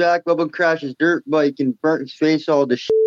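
An unremarkable speaking voice from a man, fairly high in pitch, comes at a moderate pace with a dry, close sound and no echo. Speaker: online content creator. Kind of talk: casual chat. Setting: video call.

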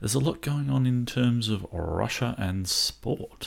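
A man speaks at a very slow pace in an Australian accent, with lively intonation. The recording is very clean, with a silent background. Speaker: sport podcast host. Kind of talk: solo casual monologue. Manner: rambling, informal.

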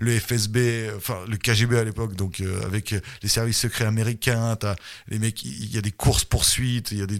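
In an unremarkable speaking voice, a man with a fairly low pitch talks at a fairly quick pace. His intonation is fairly even, and the recording is very clean with a silent background. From Russia. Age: 30s. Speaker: comedian and YouTuber. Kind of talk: casual chat.

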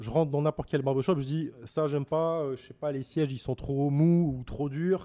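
A man's dark, mellow tone at a fairly high pitch, with fairly even intonation, in a very clean recording with a silent background. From Paris suburbs (Seine-Saint-Denis, 93). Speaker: business owner, car window tinting franchise founder. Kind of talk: interview. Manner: hesitant, many fillers.

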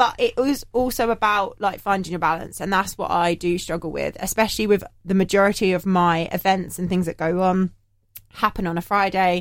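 An ordinary speaking voice, a woman at a fairly quick pace with fairly even intonation. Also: medium pitch for a woman. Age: 30s. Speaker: podcast co-host. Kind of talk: casual chat.

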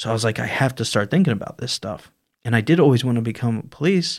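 With an East Coast American accent, a man talks at a fairly quick pace and medium pitch, his pitch varying in an ordinary way on a very clean recording with a silent background. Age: 30s. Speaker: former police officer and radio broadcaster. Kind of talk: casual interview. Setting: studio.

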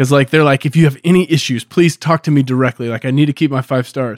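In a normal speaking voice with a fairly high pitch and ordinary pitch variation, a man with an American accent is heard in a dry, close sound with no echo. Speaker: composer and filmmaker. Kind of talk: casual interview chat. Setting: home studio, remote call.

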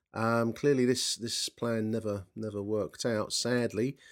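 In a very clean recording with a silent background, a man speaks at a fairly slow pace and a medium pitch. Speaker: podcast host. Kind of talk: reading aloud from an old newspaper, with casual commentary. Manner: wry, conversational, dry, hesitant with fillers like 'um' and 'uh'; reads the period prose in an expressive, measured storyteller's way.

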